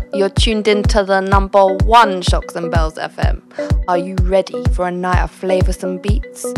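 A woman's voice: on the low side, natural voice. A woman playing a brash young urban radio DJ, hyped and slangy in club radio style.

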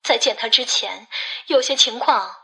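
A woman acts out a cautious, shrewd woman in audiobook dialogue. Her voice is high and bright, and she questions and advises in a controlled way. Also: normal speed, poor audio. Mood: cautious advising.

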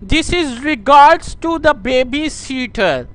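A man with a South Asian accent talking as a prank caller in a halting, repetitive, deferential way. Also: very high-pitched, expressive, a bit bright. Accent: South Asian English. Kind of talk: staged phone conversation.

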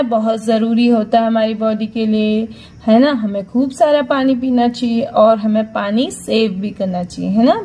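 A woman's voice: a little high, mellow. A woman teaching a Hindi lesson to young children, patient, asking questions and answering them herself, mixing in English words. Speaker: primary school Hindi teacher.

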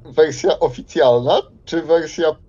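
A man's voice: fairly high pitch, measured pace, mellow, slightly rough. Man on a dull, lo-fi mic. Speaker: player in a tabletop role-playing game. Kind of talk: casual explanation during a game. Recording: dull lo-fi microphone sound.

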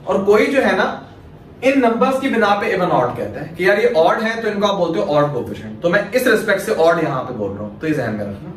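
A Pakistani maths teacher, male, lectures a little fast in a high-pitched, very animated voice, breaking things down step by step and answering his own questions. Expect strong echo, a far-off mic, and a faint hiss.

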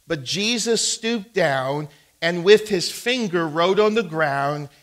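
A man's voice: sits high, animated, slow pace, a bit bright. A man, preaching a sermon as a pastor and telling a personal story, emphatic, with frequent restarts. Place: church sanctuary.

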